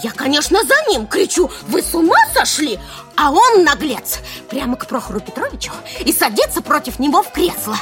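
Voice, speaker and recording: An actress playing a frantic, tearful young secretary with a musical, slightly nasal voice in a radio drama. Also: female voice, sits high, sing-song, moderate pace, soft background music. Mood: agitated retelling. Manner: frantic, wailing, breathless retelling.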